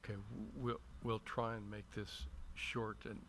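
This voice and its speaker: A man speaking in a measured, lawyerly way as he gives formal but halting remarks at a public meeting. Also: on the low side, level tone. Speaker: city attorney. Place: indoor council meeting room. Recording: noisy room public-meeting microphone.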